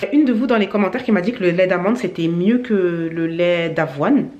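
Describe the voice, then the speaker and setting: A woman's voice: on the low side, fairly quick, darkish tone, dull audio, a little hiss or hum. A young woman vlogging at home, talking to her viewers in a chatty, upbeat, slangy way into a handheld phone. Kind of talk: casual vlog chat. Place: at home, indoors.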